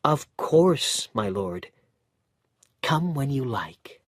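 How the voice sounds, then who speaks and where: A gentle kind mother, voiced by a man. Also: medium pitch, sing-song, extremely slow, breathy edge, no echo, studio quality, voice pushed up, heavily acted.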